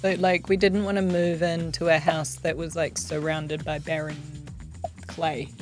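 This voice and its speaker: A woman's voice: sits low, little pitch movement, unhurried. A woman co-hosting a building vlog, chatting in a playful, easy way. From New Zealand. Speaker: co-host, builder's partner. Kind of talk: casual vlog chat. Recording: faint music underneath.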